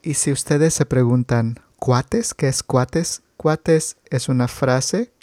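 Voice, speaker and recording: A man's voice: medium pitch, takes it slowly, a little mellow, no room sound, studio quality. A Mexican man hosting a Spanish lesson, explaining words for learners and laughing easily. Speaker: podcast host and Spanish teacher. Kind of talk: slow teaching conversation for learners.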